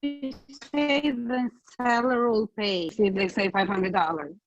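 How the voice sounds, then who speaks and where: A woman's voice: fairly high pitch, steady tone, unhurried, faint music behind, low-quality recording. A woman asking a question in an online class, her audio choppy and cutting in and out on a video call, hesitant and restarting her words. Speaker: trainee agent asking a question.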